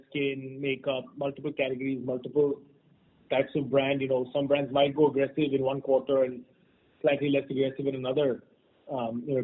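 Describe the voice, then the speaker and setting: A man answering questions as a company executive on an earnings call, hesitant and repeating his phrases. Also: mid-range voice. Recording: dull phone conference line.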